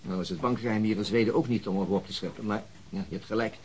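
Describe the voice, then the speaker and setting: A man's voice: lowish voice, racing, a little hiss or hum, natural voice. A man playing a dogged, dry-humoured police detective in a radio drama, laconic and musing. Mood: resigned.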